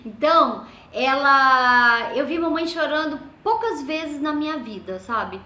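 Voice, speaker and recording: Chatty older Brazilian woman, bright voice. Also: expressive, unhurried. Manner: chatty, often trails off into soft low asides. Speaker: vlogger. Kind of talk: casual family storytelling. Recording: echoey room with faint ambience.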